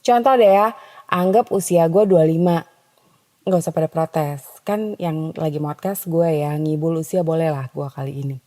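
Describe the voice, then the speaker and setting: A woman's voice: low voice, normal speed, warm tone, long reverb tail. A woman hosting a scripted podcast monologue in a chatty, teasing way, dropping in English slang. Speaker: podcast host.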